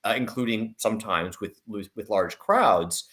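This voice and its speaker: Man giving measured market commentary. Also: fairly low pitch, fairly bright tone. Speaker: investment analyst guest. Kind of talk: conversational market commentary in an interview.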